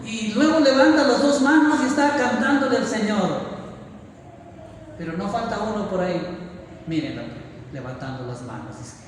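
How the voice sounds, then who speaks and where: A high-pitched man preaches to his congregation, exhorting them and throwing out rhetorical questions. His voice rings through a long-reverb church hall, picked up from a distance with a faint hiss behind it. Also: animated, moderate pace. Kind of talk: evangelical sermon. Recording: echoey church hall, voice from far off.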